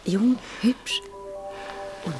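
An actress playing a young wife who speaks in a calm, soothing whisper in the dark, in a whispered role-play for a radio drama. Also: female voice, fairly high pitch, very slow, exaggerated voice. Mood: hushed. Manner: hushed, soothing. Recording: radio drama over loud music.

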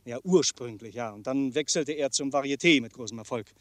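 An actor playing a sardonic noir private detective in a German crime drama, needling and impatient. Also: male voice, mid-range voice, a little fast, no room sound, close to an everyday voice. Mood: impatient, explanatory.

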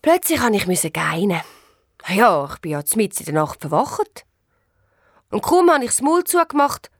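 A woman with a Swiss German accent reading a children's story aloud, lively and expressive. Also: fairly low pitch, breathy edge, dry recording, clean studio sound.

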